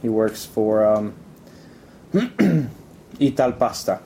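Young man from italy, very dark mellow tone, halting speech, faint rumble. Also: big pitch swings. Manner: hesitant, many ums and restarts. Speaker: interviewee. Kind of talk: casual interview answers.

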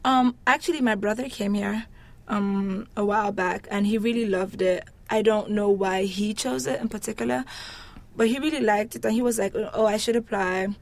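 A young woman from Lagos speaks with a Nigerian accent in a relaxed interview. She is chatty and expressive, answering with a humorous touch. Her pitch sits in an ordinary range for a woman. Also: normal speed, gravelly. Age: young adult. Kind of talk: casual interview chat.

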